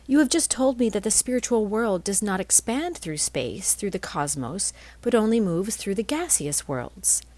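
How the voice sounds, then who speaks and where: A woman reading a spiritual text aloud as scripted narration, in measured phrases with deliberate pauses. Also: mid-range voice, lively intonation, darkish tone, no echo. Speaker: reader of a spiritual blog.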